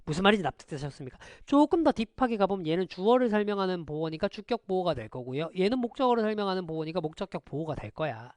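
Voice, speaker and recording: A man teaching an online lecture, quizzing students with quick rhetorical questions and switching between polite and casual speech. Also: sits high, very animated, darkish tone, dry recording, studio quality. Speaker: English teacher.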